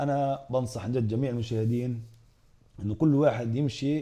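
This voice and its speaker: Somewhat breathy with a dark, mellow tone, a man speaks at a moderate pace with fairly even intonation. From Israel. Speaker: chef; talk show guest. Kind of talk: TV interview. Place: studio. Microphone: lapel.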